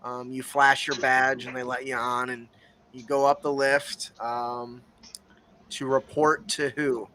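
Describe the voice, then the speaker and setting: A man running a tabletop game as game master, narrating casually with many fillers and pauses. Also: medium pitch, flat delivery, bright, forceful tone.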